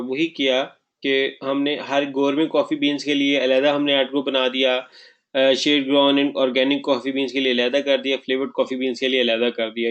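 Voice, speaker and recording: A man's voice: mid-range voice, fairly bright tone, dull audio. A man teaching a live online marketing webinar, often asking his class questions and mixing English terms into his explanations.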